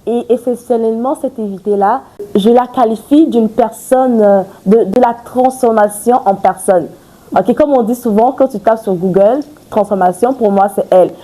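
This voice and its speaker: A chatty woman hosts a podcast in a warm, mellow voice. She talks in loose, gushing runs full of fillers and restarts. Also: on the high side, moderate pace, low-quality recording. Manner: chatty, effusive, many fillers. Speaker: podcast host. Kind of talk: casual interview chat.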